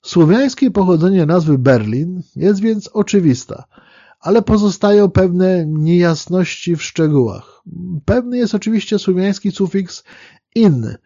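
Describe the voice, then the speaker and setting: Dark-voiced man lecturing with hesitant fillers. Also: high-pitched, animated, no echo, lo-fi sound. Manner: measured, explanatory, with fillers and self-corrections. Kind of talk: spoken history lecture.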